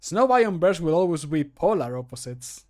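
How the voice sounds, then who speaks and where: Man voicing a jokey, cocky adventurer, higher voice. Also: very animated, moderate pace, darkish tone. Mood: dry, punning. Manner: jokey, lightly taunting. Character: cocky, punning older male adventurer. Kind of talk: game voice line takes.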